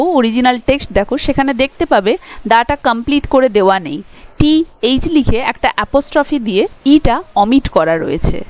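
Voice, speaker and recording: A woman with a Bengali accent gives a poetry lesson in a slightly high voice. She explains line by line and checks in with rhetorical questions. The recording sounds dull and lo-fi. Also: dry recording. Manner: explanatory, asks rhetorical checks, slows to read lines aloud. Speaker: teacher. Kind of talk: exam-prep poetry lecture.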